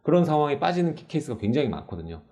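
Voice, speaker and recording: A man's voice: a little high, rapid-fire. A male host who introduces the segment and explains costs step by step in a casual talk-show style. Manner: animated, explains figures step by step.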